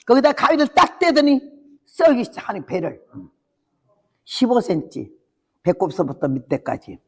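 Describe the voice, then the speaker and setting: A woman's voice: a little high, huge pitch swings, moderate pace, husky. An older woman missionary telling her testimony as a sermon, with vivid, dramatic storytelling. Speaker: missionary preacher. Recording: long hall reverb.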